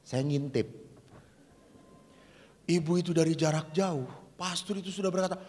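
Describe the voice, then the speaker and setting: A man's voice: fairly high pitch, a little slow, dark tone. A Catholic priest, a man, preaching a humorous sermon and acting out the stories he tells. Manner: jokey storyteller acting out dialogue. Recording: reverberant hall.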